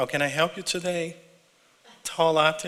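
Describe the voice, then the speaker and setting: This man speaks at a moderate pace with a Brazilian accent. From Brazil, Sao Paulo. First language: Portuguese. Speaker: speaker sharing immigrant story. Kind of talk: personal storytelling talk. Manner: conversational, filler-heavy.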